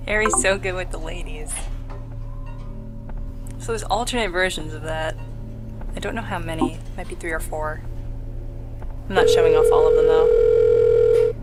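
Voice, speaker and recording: A woman's voice: sits low, measured pace, pauses often, loud music behind the voice. Casual woman doing game commentary. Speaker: let's play host.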